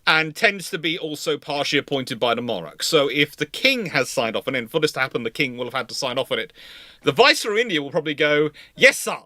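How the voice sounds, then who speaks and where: A man with a bright, fairly high voice in a dry recording. He talks informally as host of a history discussion, circling back to correct and repeat himself for emphasis. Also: animated, fast, no echo. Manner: hesitant, self-correcting, emphatic repetition.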